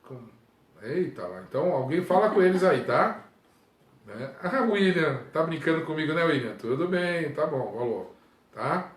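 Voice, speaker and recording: Brazilian pastor chatting on a home livestream, slightly high voice, keeps asking "right?", echoey room. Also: male voice, big pitch swings, measured pace. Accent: Brazilian Portuguese. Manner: conversational, constant tag questions, leaps up in pitch for emphasis. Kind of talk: casual pastoral livestream talk.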